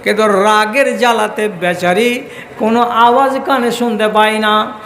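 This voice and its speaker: A man with a West Bengal Bengali accent preaching a sermon to a large gathering, in a chanting, sing-song delivery with drawn-out stressed phrases. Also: sits high, fairly even intonation, fairly bright tone, roomy sound. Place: large religious gathering, public address.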